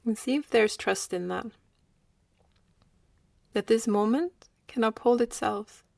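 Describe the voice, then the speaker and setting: A woman leading a guided meditation in a slow, gentle manner with long pauses. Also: on the high side, vocal fry, dry recording.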